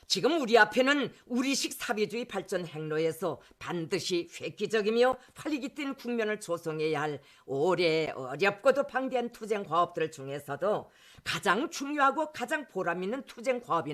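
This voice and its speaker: A man's voice: high voice, fairly bright tone. A man with a North Korean accent reading a formal scripted political speech in a solemn, emphatic, declamatory manner.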